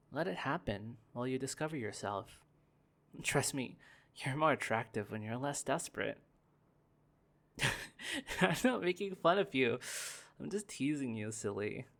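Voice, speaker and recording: A young man voicing a gentle, guarded corporate heir in an ASMR roleplay, speaking softly with stammering restarts. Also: medium pitch, natural voice. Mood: teasing. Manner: soft-spoken, hesitant, stammering restarts. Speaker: roleplay performer.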